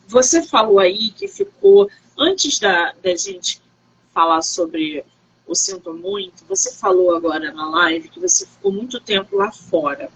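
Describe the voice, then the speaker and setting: A woman's voice: mid-range voice, huge pitch swings, unhurried, vocal fry, breathy edge, low-quality recording. A woman with a Brazilian Portuguese accent hosting a casual live interview, asking wordy questions that circle and restart. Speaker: interview host.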